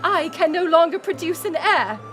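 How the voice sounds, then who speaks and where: Woman playing a high-voiced, controlling middle-aged queen mother. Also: expressive, a bit bright. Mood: stern, exasperated. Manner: commanding, formal, measured. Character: proud, controlling queen mother, weary but regal. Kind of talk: dramatic audio roleplay acting. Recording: music and crowd murmur behind. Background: music and banquet crowd.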